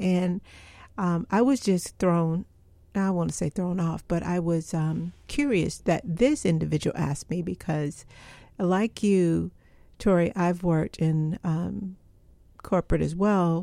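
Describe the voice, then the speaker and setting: A dark, mellow tone moves at a fairly slow pace with ordinary pitch variation. The recording is very clean, with a silent background. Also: woman, fairly low pitch for a woman. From Savannah, Georgia. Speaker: community radio host. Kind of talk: radio interview. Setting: radio studio.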